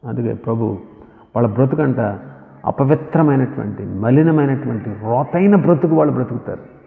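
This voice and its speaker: A man's voice: mid-range voice, normal speed, vocal fry. A man preaching a sermon, speaking with emphasis and putting questions to the listeners. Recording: echoey hall on a tinny phone-like line.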